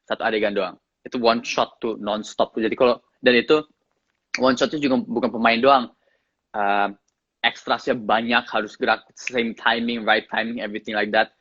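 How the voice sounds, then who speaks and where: A man's voice: medium pitch, moderate pace, slightly rough, dry recording, highs cut off. Chatty man with a slight English accent. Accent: slight English accent in his Indonesian. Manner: relaxed, chatty, mixes English into his speech, laughs often. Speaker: actor guest. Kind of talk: casual interview chat.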